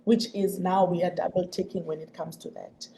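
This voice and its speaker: Interviewee: woman, Xhosa South African accent, low-leaning and very soft-toned, halting explainer, slight background noise. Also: steady tone, poor audio. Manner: halting, repeats words while explaining. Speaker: programme representative being interviewed. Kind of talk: radio interview, mixing two languages.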